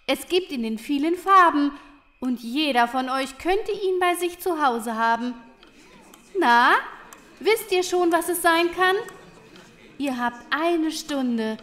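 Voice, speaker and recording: Woman as a high-voiced, proud little creature leader. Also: lively intonation, slow, fairly bright tone, full character voice. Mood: announcing. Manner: ceremonious, theatrical rhyming delivery. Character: Eika, proud female little-creature master of the timekeeper chamber. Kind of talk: children's audio drama acting.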